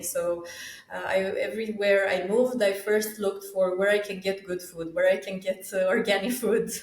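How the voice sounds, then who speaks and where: A woman's voice: mid-range voice, darkish tone, echoey room. A woman from Romania, a summit co-founder, talks casually in an interview and often hesitates with fillers and restarts.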